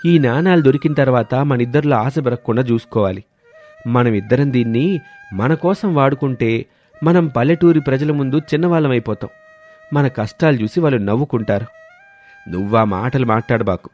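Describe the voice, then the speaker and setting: A man's voice: medium pitch, a little mellow, natural voice. A man playing arguing village friends in a dramatized moral story, speaking emphatically. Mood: greedy, defiant. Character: two village friends arguing, one greedy, one principled. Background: background music.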